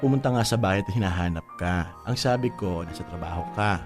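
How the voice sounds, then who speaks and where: A man's voice: low-pitched, quick pace, music in the background, close to an everyday voice. A male actor playing a sassy, effeminate gay older sibling in a Filipino radio drama, scolding and exclaiming. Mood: chatty, teasing.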